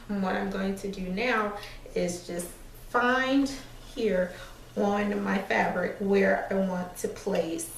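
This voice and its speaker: Brief: thirties woman, a little hoarse, casual step-by-step craft host, recorded at a distance in a roomy space. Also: mid-range voice, slight background noise. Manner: relaxed, chatty step-by-step explaining with fillers. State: slightly hoarse, losing her voice. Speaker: sewing tutorial host. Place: small room indoors at an ironing board. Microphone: far camera. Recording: echoey room, mic far off.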